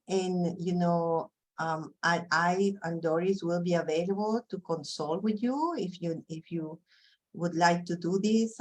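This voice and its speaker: Peruvian-accented woman trainer, lowish voice. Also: darkish tone, rough recording. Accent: Peruvian Spanish. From Peru. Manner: conversational, frequent "you know" fillers. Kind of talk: online training presentation.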